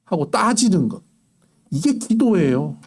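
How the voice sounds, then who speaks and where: A man preaching a sermon as pastor, acting out anguished complaints to God with sharp rises and falls. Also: big pitch swings, unhurried, husky. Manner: impassioned, acting out complaints in prayer with big pitch swings.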